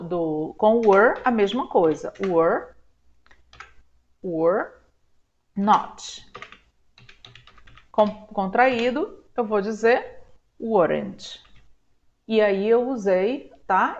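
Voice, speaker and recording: Brazilian woman teaching, slow careful drill. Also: a little high. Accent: Brazilian Portuguese. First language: Portuguese. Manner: slow drawn-out model words, frequent "tá?". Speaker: English teacher. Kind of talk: online language lesson. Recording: slightly dull lo-fi sound.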